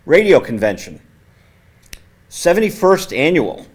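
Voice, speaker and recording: A man hosting a casual studio interview, speaking with a naturally loud, conversational voice into a microphone set on the table. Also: on the high side, very animated, a little slow, breathy edge. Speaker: host. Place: community access TV studio.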